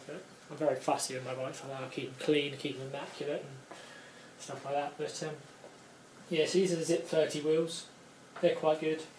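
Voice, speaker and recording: Mumbling at a fairly quick pace with long, frequent pauses, a man with a British accent speaks in a fairly high pitch with monotone, flat intonation and big swings in loudness over noticeable background noise. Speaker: road cyclist. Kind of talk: casual talk to camera.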